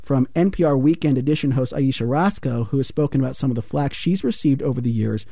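A man hosting a call-in radio show, with a dark, mellow voice. He talks in a measured, conversational way, and the sound is dry and close with no room around it. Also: mid-range voice, gravelly, no room sound. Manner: measured, conversational, hands off to guests and callers. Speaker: radio talk show host.

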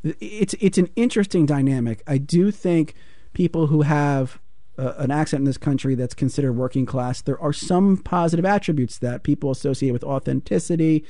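Mellow-voiced male radio host. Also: a little high, dry recording, studio quality. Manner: measured, conversational, hands off to guests and callers. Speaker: radio talk show host. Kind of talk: radio call-in discussion.

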